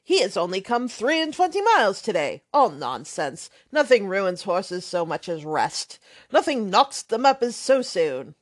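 A woman voicing a boastful, blustering young man, loud and emphatic. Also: medium pitch, sing-song, a little slow.

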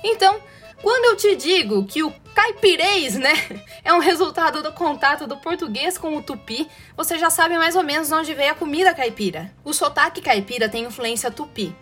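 A woman from the interior of São Paulo state, Brazil, hosts a casual educational podcast, speaking in a strong caipira accent with a rolled-back R. Her high-pitched, expressive voice is slightly bright and moves at a moderate pace as she chats playfully, tossing in sarcastic asides over faint background music.

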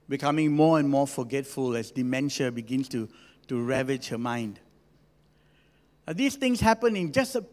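A man of sixty preaching as a senior pastor in a conversational, gently humorous way, with emphatic pauses. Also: a little high. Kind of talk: sermon to a congregation. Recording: long hall reverb.

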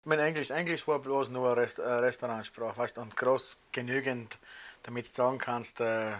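A man's voice: mid-range voice, fairly even intonation, moderate pace, fairly bright tone. An older man recalls things casually in colloquial dialect, mixing in English words. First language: German. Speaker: emigrant interviewee. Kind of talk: casual spoken recollection.

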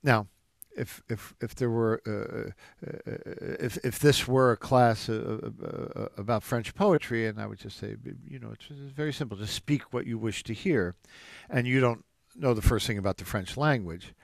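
Casting: male jazz teacher, mid-pitched, thoughtful anecdotes, halting restarts. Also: vocal fry, dry recording, studio quality. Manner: reflective storyteller with frequent restarts. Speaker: jazz drummer and music educator. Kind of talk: interview answers.

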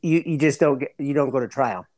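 A man explaining things in casual podcast chat, halting, with slangy, profane frat-bro talk. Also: mid-range voice, darkish tone.

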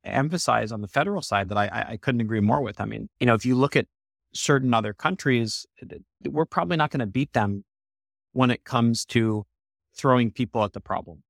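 A man in his thirties, a startup co-founder, answering interview questions quickly and animatedly, with many restarts. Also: medium pitch, vocal fry, no room sound, studio quality. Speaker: startup co-founder, podcast guest.

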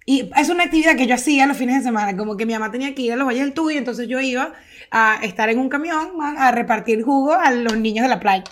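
A woman's voice: fairly high pitch, fast talker. Venezuelan woman telling slangy stories. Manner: animated storytelling, slangy, laughs often. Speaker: podcast co-host. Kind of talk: casual chat.

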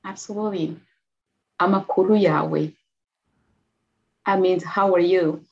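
A middle-aged woman with a Rwandan accent speaks in a low, deep register as an interview guest. She tells her story quickly and earnestly, with soft laughs. The recording sounds a little dull and muffled. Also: steady tone, gravelly. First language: Kinyarwanda. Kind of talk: personal testimony interview.

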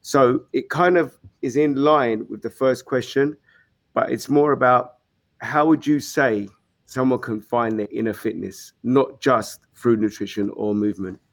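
A man's voice: mid-range voice, a little slow, no echo. A man taking part as a questioner, speaking in casual conversation. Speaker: participant asking questions.

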